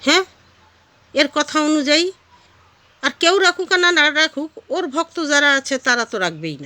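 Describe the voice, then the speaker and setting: A woman speaks in a raised, projected voice at a high pitch with ordinary pitch variation. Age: 60s. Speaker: YouTuber. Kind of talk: video blog rant. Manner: animated.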